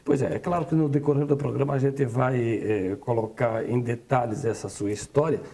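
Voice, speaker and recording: A man's voice: medium pitch, steady tone, normal speed, creaky, warm tone. A man hosting a local TV interview show, asking friendly, leading questions. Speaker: TV interview host.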